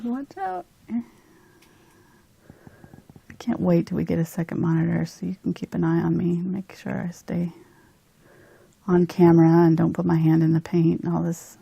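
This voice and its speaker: A woman's voice: lowish voice, moderate pace, creaky, pauses often, warm tone, breathy edge, low-quality recording. A woman hosting a casual painting tutorial, chatting informally and thinking aloud as she works. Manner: giggly, informal, thinking aloud while working. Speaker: host, painting instructor.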